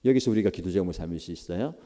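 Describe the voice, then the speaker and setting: Pastor preaching in a reverberant church. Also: male voice, low-pitched, rapid-fire, warm tone. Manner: preaches with acted quotes of prayer, rising emphasis. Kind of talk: sermon at a prayer meeting. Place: church sanctuary. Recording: long church hall reverb.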